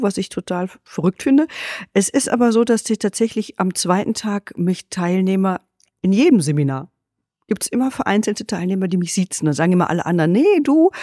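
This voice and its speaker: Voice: medium pitch, dark tone, dry recording. An interview host who trains seminar groups, agreeing readily with the guest and asking open, friendly questions. The voice sits in a middle register. It is recorded dry and close. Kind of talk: conversational interview.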